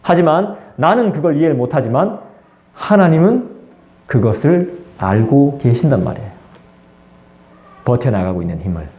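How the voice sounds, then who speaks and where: A man's voice: mid-range voice, expressive, normal speed, long pauses, mellow. A man preaching a sermon as pastor, in a conversational way that acts out the voices of people he quotes. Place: church sanctuary. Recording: echoey church room.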